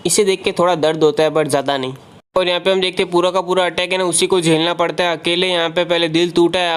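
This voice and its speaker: A man's voice: on the high side, fairly bright tone, smooth. A man narrating an anime plot recap in a casual, rambling way, packed with filler phrases and English words.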